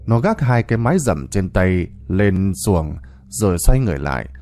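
A man's voice: low-pitched, sing-song, normal speed, a little mellow, no room sound. Dramatic male horror storyteller. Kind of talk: scripted horror narration.

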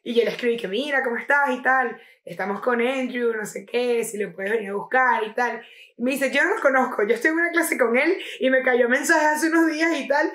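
A young woman with a Venezuelan accent chats with a slightly high voice, rattling through stories full of slang and the odd curse. Her voice carries a noticeable room echo. She sounds at ease in a casual chat. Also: brisk. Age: young adult. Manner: animated storyteller, slangy and swearing. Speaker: podcast co-host.

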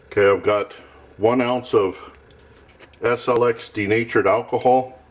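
A man's voice: mid-range voice, steady tone, measured pace, a little hiss or hum. A man casually narrating a camping stove test off camera in a cluttered home workshop, thinking aloud in a plain, matter-of-fact way. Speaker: gear tester.

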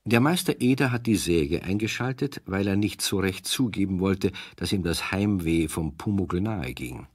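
Low, husky male narrator. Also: expressive, normal speed, few pauses. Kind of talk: scripted children's story narration.

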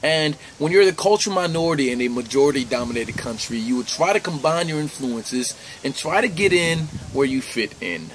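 A young man talks straight to the camera in an earnest, conversational way with easy laughs. His voice sits at a middle pitch. A faint hum of room ambience runs underneath. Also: lively intonation, fairly quick, few pauses, poor audio. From United States. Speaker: vlogger. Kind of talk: personal reflective vlog. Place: indoors by a plain wall.

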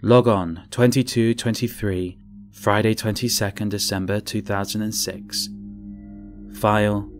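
A man reading an audiobook, voicing a frightened, trapped woman journalist who mutters urgently, swinging between loud outbursts and whispers. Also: fairly low pitch, flat delivery, measured pace, faint music behind, natural voice. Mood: frightened, desperate. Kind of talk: first-person audiobook reading.

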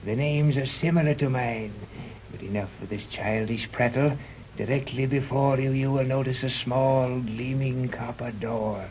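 A man's voice: mid-range voice, steady tone, unhurried, darkish tone, slight background noise, close to an everyday voice. An actor playing an aloof, haughty male mathematician in a 1930s radio drama, speaking in a lofty, clipped way. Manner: lofty, clipped, laughs mockingly. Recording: dull old 1930s radio recording.

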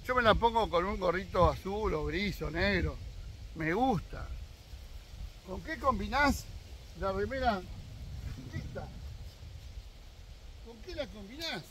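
Older Argentine man, 60s, fishing vlogger; bright, animated, opinionated straight-to-camera talk. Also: high-pitched, slow pace, long pauses, a little hiss or hum. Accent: Argentine Spanish. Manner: opinionated, talks straight to viewers. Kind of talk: casual opinion monologue. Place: outdoors on his own rural land.

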